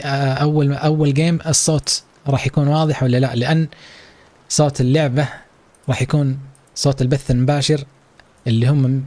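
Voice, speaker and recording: A man's voice: mid-range voice, dark tone, no room sound. A man with a Saudi Arabic accent hosting a live esports watch-along stream, hyping it up and chatting playfully with his viewers.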